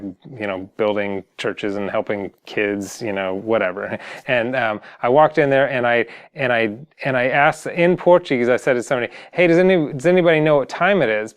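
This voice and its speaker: A man's voice: medium pitch, smooth. A man giving a singing lesson in an earnest, repetitive way, often restarting his sentences. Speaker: singing coach. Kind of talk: lesson to camera.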